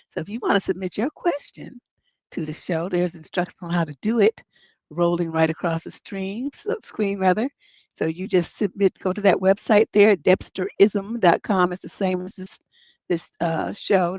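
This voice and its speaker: A woman hosting a relationship advice livestream, hoarse from a cold, chatting in a rambling, self-mocking way before reading out questions. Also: fairly low pitch, no echo, muffled recording. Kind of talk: casual livestream advice chat.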